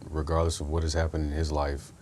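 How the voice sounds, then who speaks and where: Very deep, flat-voiced male host. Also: fast talker, slight background noise. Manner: affirming, steady, socially pointed. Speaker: podcast host. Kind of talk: conversational interview.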